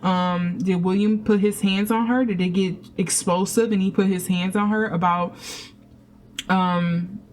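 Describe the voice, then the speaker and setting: A woman's voice: mid-range voice, steady tone, moderate pace, hardly any pauses, darkish tone, slight background noise. Chatty woman doing a tarot reading. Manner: chatty and meandering, full of fillers and restarts. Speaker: tarot reader. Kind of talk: casual tarot reading to camera.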